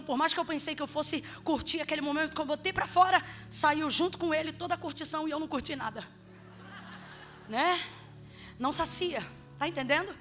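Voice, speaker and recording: A woman preaching a sermon, telling funny stories with sudden shouted peaks. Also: high voice. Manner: animated, humorous storytelling with sudden shouted peaks.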